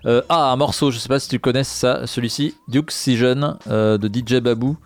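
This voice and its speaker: Casting note: man co-hosting a campus radio hip-hop show, relaxed and hesitant, lots of fillers, studio mic. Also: mid-range voice, fairly quick. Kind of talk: casual radio chat.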